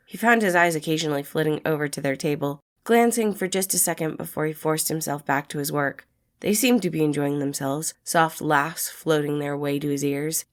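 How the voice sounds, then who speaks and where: A woman narrates a piece of written fiction. Her voice sits a little low, and she delivers the prose as a scripted storybook reading. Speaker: podfic narrator.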